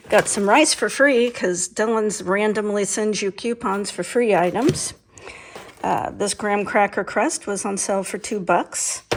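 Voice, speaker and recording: There is noticeable background noise behind this woman. Her fairly high voice sounds animated, with ordinary pitch variation. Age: 60s. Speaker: frugal living YouTuber. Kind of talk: casual vlog, grocery haul. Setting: at home. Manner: chatty, animated.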